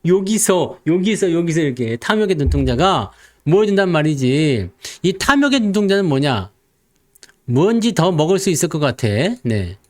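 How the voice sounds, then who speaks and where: A man with a fairly high, sing-song, slightly mellow voice talks at a moderate pace, offering casual, joking stock market commentary. Playful throughout, he acts out investors' voices and jokes with viewers.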